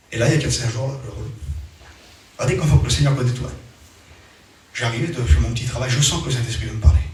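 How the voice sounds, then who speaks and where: High-voiced preacher in an echoing hall. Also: male voice. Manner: emphatic, repetitive storytelling with restarts. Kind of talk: sermon told as a personal story. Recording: very echoey hall, mic far off.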